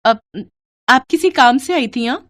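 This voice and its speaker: A woman voicing a gentle, dutiful young village wife in a moral story cartoon, polite and expressive. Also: high-pitched, measured pace, pitched above the performer's own voice.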